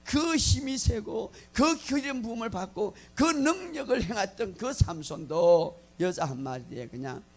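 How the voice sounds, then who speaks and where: A male pastor preaching a sermon, telling a story with lively acted-out lines and frequent laughter. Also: high-pitched, measured pace, few pauses. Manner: animated storytelling, acting out lines, laughing often.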